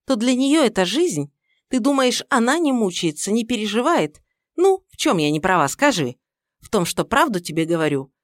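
A domineering older mother-in-law, full of indignation, her voice pitched well above the reader's own and pushed loud, as a woman reads her in an audiobook. She scolds and lectures in a shrill, reproachful manner. The sound is dry and close. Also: no room sound. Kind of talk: audiobook character reading.

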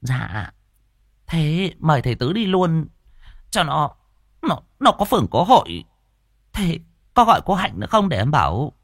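A man voicing a fat, jealous middle-aged woman who sells tripe porridge, shrill and scolding. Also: very animated, measured pace, long pauses, dry recording, studio quality, heavily acted. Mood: sweet.

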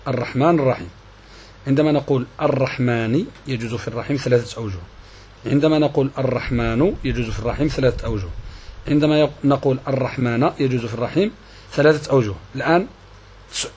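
A man teaching a grammar lesson to a group of students, explaining slowly and repeating phrases so they can follow, with a touch in his speech. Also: medium pitch, darkish tone, slightly rough. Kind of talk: classroom lesson. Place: prison room with students.

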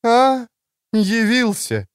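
A man reading an audiobook, voicing a sharp-tongued, irritable adult woman who snaps and scolds. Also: big pitch swings, drawn-out words, clear, resonant tone, no echo, clean studio sound, exaggerated voice. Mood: scolding. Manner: snappish, shrill.

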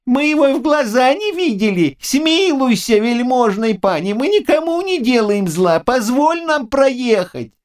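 A man voicing a frightened old peasant matchmaker who begs in a high, quavering, drawn-out voice for an audiobook. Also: very animated, heavily acted. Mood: pleading. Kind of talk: audiobook character voice.

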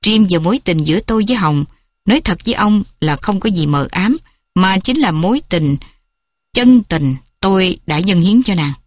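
A woman's voice: medium pitch, lively intonation, normal speed, no room sound, close to an everyday voice. A woman voicing an earnest young man pleading with his love's father.

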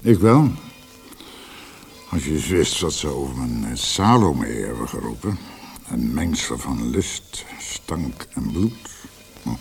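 An actor playing a blunt, jovial middle-aged composer in a radio drama, with a halting, teasing delivery. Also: male voice, rumbling low, big pitch swings, soft background music, exaggerated voice. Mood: gruffly boastful.

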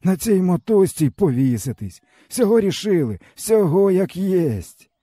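A man performing a worn-out, starving old peasant, his voice pitched up high and lamenting in a sighing, plaintive drawl. The pitch swings widely through each complaint, with a mellow tone and a dry, close sound. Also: big pitch swings, a little slow. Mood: groaning. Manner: plaintive, sighing, folksy rural speech. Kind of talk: audiobook character voice.

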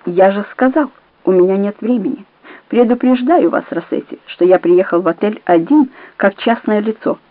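A woman reading an audiobook plays a male intelligence agent who questions coldly and curtly in her own steady voice. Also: medium pitch, moderate pace, dry recording, natural voice. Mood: cold interrogation. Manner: cold, curt and demanding. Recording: dry, tinny phone-like audio.

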